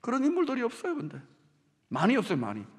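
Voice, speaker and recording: Gravelly Gyeongsang pastor preaching in a hall. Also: male voice, very high voice, wildly swooping pitch, fast. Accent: Gyeongsang Korean. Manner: dramatic preaching, swinging from hushed to loud. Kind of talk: sermon. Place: church sanctuary.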